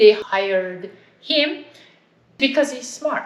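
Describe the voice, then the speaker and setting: Lively intonation marks a woman's fairly slow speech. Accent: Korean. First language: Korean. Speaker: YouTuber, half of a married couple. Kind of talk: casual chat.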